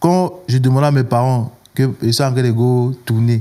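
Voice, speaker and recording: A man speaks with a strong Cameroonian accent at a medium pitch. His tone is dark and mellow, and his intonation fairly even. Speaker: comedian. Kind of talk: interview. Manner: halting, repetitive.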